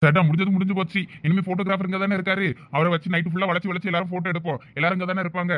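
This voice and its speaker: A man's voice: sits high, little pitch movement, very fast, fairly bright tone. A man voicing a flustered young village husband in a comic cartoon family drama, with a Thoothukudi Tamil accent and a pleading, coaxing manner. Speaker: cartoon voice actor.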